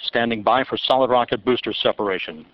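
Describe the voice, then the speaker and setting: A man giving live launch commentary from mission control, reading flight figures in a steady, measured way. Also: mid-range voice. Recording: dull broadcast audio.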